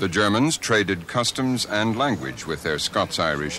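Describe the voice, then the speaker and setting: Over noticeable background noise, a man with a fairly low pitch talks at a fairly slow pace with very wide pitch swings. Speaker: documentary host. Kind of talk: documentary narration.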